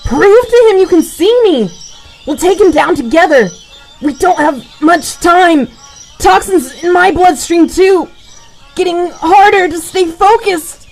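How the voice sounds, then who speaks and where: A woman's voice: extremely high pitch, animated, measured pace, darkish tone, faint music behind, full character voice, rough recording. A woman playing a brave, defiant young boy superhero sidekick in a radio drama, speaking with intense, earnest pleading. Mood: desperate pleading.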